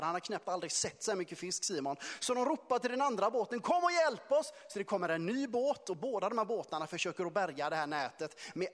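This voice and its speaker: Male preacher, storytelling sermon, high voice, long reverb of a church hall. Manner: lively, conversational, playful.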